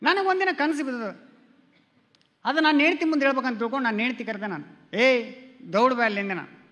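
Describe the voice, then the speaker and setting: A man doing a standup comedy routine on stage. His voice sits very high and sounds bright and sharp. He tells stories and acts out quoted exchanges with his wife, and the hall rings with a long reverb. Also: expressive, fast. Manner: storytelling, acting out quoted dialogue with his wife. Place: stage before a live audience.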